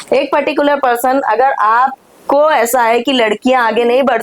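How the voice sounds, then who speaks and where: A woman speaks loudly in an animated tone at a high pitch. Noticeable background noise is present. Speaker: former corporate manager, podcast guest. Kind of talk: interview conversation. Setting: live podcast.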